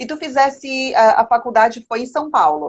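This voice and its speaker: This woman has a high-pitched voice. She speaks at a moderate pace. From Santa Catarina, Brazil. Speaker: podcast host. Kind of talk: casual interview.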